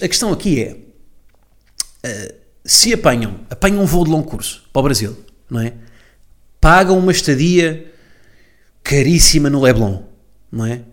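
A man with a European Portuguese accent hosting a solo comedy podcast from home, ranting sarcastically and tossing in "right?" after his jabs. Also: on the high side. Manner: sarcastic, mocking rant with frequent tag questions. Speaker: podcast host. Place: at home, alone.

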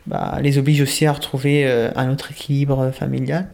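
Young man in his twenties, seminary candidate, gravelly and flat delivery, hesitant and reflective, full of pauses. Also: mid-range voice. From Italy. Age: 20s. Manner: hesitant, thoughtful, many pauses and restarts. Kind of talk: casual interview answers.

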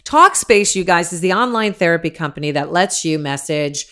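A woman co-hosting a podcast, chatting casually and reading an ad in a chatty, lively way. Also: fairly low pitch, moderate pace. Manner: chatty, laughs easily, lively. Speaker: podcast co-host. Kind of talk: casual chat and host-read ad.

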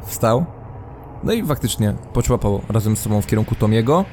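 A man's voice: fairly low pitch, animated, a little fast, warm tone. A man working as game master, improvising narration for a tabletop role-playing game. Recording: faint background noise.

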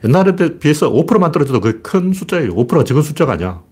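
A man's voice: a little high, big pitch swings, very fast, a little mellow, breathy edge. A man hosting a political talk show, telling stories in a blunt, rambling way. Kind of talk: casual political monologue.

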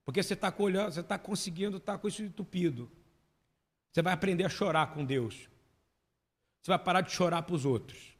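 A pastor preaches in a church hall, his husky voice sitting high as he speaks briskly with frequent pauses. He's emphatic and fires many questions at the congregation, and the recording carries a long hall reverb.

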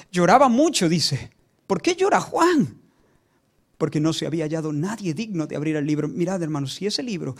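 Dramatic high-voiced Spanish preacher. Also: male voice. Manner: dramatic, swings between hushed and loud, repeats words for emphasis. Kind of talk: sermon.

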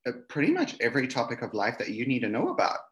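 A man's voice: mid-range voice, wildly swooping pitch, very fast, a bit bright. A South African man chats as a guest over a video call. His voice rises and falls freely, and he laughs readily between points. He drops the odd casual swear word.

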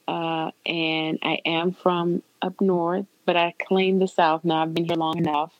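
A woman's voice: lowish voice, level tone, unhurried, no echo, muffled recording. A woman with a Puerto Rican accent, co-hosting a podcast in casual, candid chat with blunt, wry remarks. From Puerto Rican, raised in the US South. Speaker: podcast co-host.

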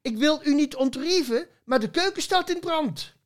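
A man's voice: extremely high pitch, lively intonation, a little slow, pitched above the performer's own voice. A man in his sixties playing a fretful older male pastor in a rhyming poem. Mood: worried. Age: 60s. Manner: theatrical, lamenting recital.

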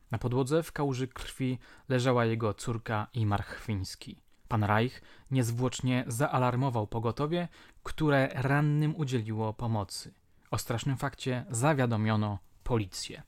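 A middle-pitched male podcast host narrates a true-crime story in a scripted, storytelling style, reading old newspaper reports with relish. He keeps turning to his listeners with rhetorical questions. The sound is close and dry, with no echo or room around it.

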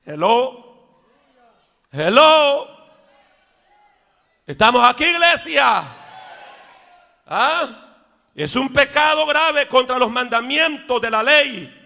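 A male pastor preaching a sermon in church, rising to shouts and dropping into joking asides. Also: extremely high pitch, animated, slow, gravelly, long pauses. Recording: long reverb of a church hall.

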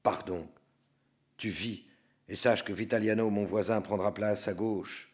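A man voicing a bitter, weary damned male soul in a stage reading, with low, muttered scorn. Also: fairly even intonation, a little slow, lightly acted.

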